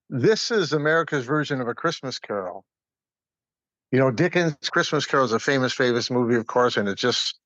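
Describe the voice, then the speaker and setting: A man's voice: medium pitch, fairly bright tone, no room sound. A man chatting and telling stories casually, repeating words for emphasis. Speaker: guest, community theatre player. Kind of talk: casual conversational storytelling. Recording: slightly dull, lo-fi audio.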